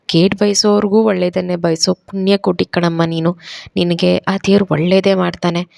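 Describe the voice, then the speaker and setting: A woman voicing a gentle middle-aged aunt who speaks softly and sorrowfully. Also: fairly low pitch, little pitch movement, moderate pace, gravelly. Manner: soft, tender, sorrowful.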